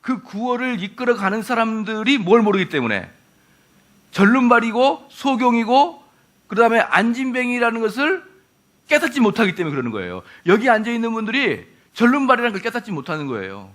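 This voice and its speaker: A man's voice: extremely high pitch, sing-song, a little fast, a bit bright. A middle-aged man, a pastor, preaching a sermon in a church and acting out the voices he quotes.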